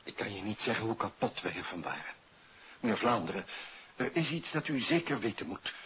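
A muffled, noisy old radio recording of a troubled gentleman. His low voice is solemn and sympathetic, in the manner of a vintage detective serial. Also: very animated, fairly quick. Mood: grave. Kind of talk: 1950s radio detective drama acting.

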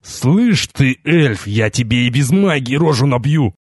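A man voicing a cold, menacing white-haired sorcerer prince who speaks in a flat, contemptuous way. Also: medium pitch, unhurried, slightly rough, no room sound, clean studio sound. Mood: furious.

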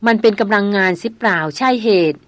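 A woman's voice: mid-range voice, quick pace, dry recording, natural voice. A woman voicing a proud, headstrong young noblewoman who speaks firmly and insistently in an audiobook. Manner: firm, insistent.

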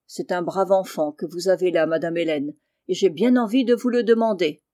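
A woman voicing a kindly, blunt middle-aged male farmer in an audiobook, speaking low and hushed. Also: moderate pace, dry recording, studio quality, lightly acted. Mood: gruff. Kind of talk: audiobook character reading.

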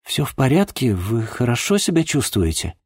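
A man reading the lines of a polite, gentle young pregnant woman in an audiobook, in a soft, courteous storytelling manner. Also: medium pitch, big pitch swings, moderate pace, husky, no room sound, clean studio sound. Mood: concerned.

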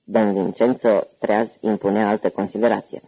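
A man narrating an audiobook in steady, even scripted storytelling. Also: on the low side, slightly rough, low-quality recording.

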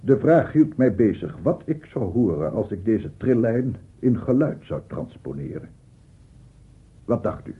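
A man's voice: medium pitch, very animated, unhurried, a little hiss or hum. An actor playing an aggrieved, unstable scientist in his sixties, pedantic and insistent, in a radio play monologue. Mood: pedantic, defensive. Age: 60s. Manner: pedantic, insistent, repeats himself. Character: aggrieved, unstable 67-year-old bachelor scientist, self-justifying and obsessive. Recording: muffled, phone-like old radio recording.

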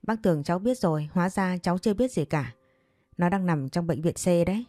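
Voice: medium pitch, animated, fairly quick, mellow, no echo, studio quality, soft background music, lightly acted. A woman voicing a worried elderly neighbor who speaks kindly and with concern.

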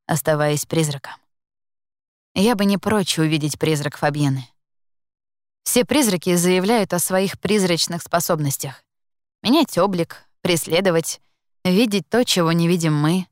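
A woman narrating a first-person story in a calm, measured, reflective reading. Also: fairly low pitch, no room sound, clean studio sound. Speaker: audiobook narrator.

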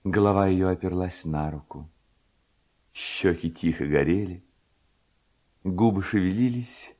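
Male storyteller: low-pitched, unhurried, theatrical reading of classic prose, expressive and deliberate. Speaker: narrator and reader. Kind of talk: literary storytelling, scripted narration.

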